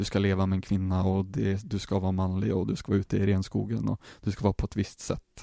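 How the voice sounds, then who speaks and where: A man with a dark, mellow tone is heard in a very clean recording with a silent background, the sound dry and close with no echo. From Sápmi (Sami background). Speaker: Sami guest discussing a book. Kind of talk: casual chat. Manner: halting.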